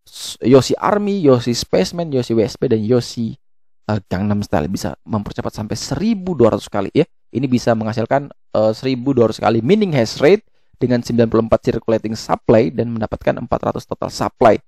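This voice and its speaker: Guy doing a casual explainer vid, mellow voice, kinda halting w lots of hesitations, mid pitch, dry sound. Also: animated, no room sound. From Indonesia. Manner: halting, with frequent hesitations and self-corrections. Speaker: YouTube host explaining crypto tokens. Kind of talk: casual explainer, walking through a web page.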